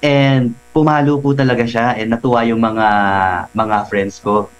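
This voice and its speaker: Man, voice artist guest, mid-pitched, animated, faint mains hum. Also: measured pace, lo-fi sound. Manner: animated, explains while slipping into voices. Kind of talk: casual radio interview.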